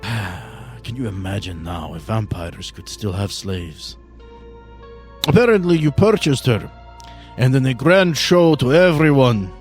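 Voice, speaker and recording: A man voicing a courtly, shrewd old vampire power broker, speaking in stiff, formal, deliberate phrases. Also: on the low side, a little mellow. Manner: formal, deliberate, avoids contractions. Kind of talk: in-character tabletop roleplay.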